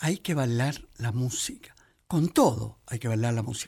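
A man speaks at a medium pitch with ordinary pitch variation. His voice is somewhat breathy and his pace very slow. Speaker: jazz drummer. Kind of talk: casual chat.

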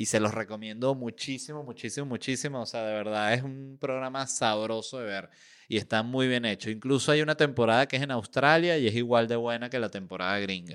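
Hardly pausing, a man with a plain, everyday voice talks at a fairly quick pace and medium pitch with ordinary pitch variation in a very clean recording, silent background. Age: 30s. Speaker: podcast host; comedian. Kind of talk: casual monologue.

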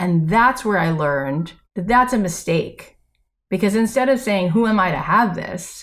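Speaking at a fairly slow pace, a woman has an unremarkable speaking voice with ordinary pitch variation. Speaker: podcast host and author. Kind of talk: conversational interview about ego and consciousness.

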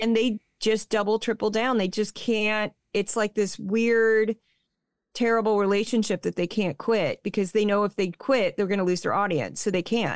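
With an American accent and a plain, everyday voice, a woman speaks at a moderate pace and fairly high pitch, her intonation fairly even and her loudness very even. The sound is dry and close with no echo, over a quiet background. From US Midwest, St. Louis suburbs. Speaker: journalist and media critic. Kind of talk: casual interview chat.

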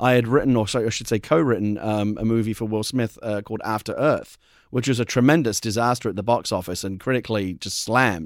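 A man with a British accent at a very fast pace, medium pitch and ordinary pitch variation, in a very clean recording with a silent background. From UK. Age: 40s. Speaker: screenwriter. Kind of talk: casual interview. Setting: studio-like venue in San Francisco, in person.

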